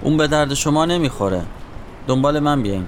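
A man's voice: on the high side, lively intonation, a little hiss or hum, close to an everyday voice. A man playing a condescending young male hustler with a thick foreign accent, brushing people off. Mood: dismissive. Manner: condescending, dismissive.

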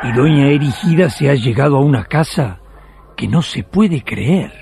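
A man telling a story for a radio play in poetic, deliberate phrases with pauses. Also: medium pitch, lively intonation, gravelly. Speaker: narrator. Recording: music behind the voice.

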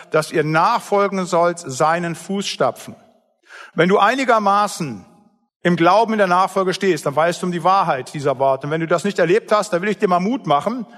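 Emphatic high-voiced man preaching in a hall. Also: a bit bright. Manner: emphatic, blunt preaching with colloquial asides. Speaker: pastor. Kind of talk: sermon.

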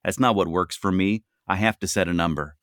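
A man with a deep, gritty voice talking earnestly and emphatically on a podcast, repeating his points. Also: a little fast, a bit bright, dry recording, studio quality. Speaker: podcast co-host. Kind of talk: casual chat.

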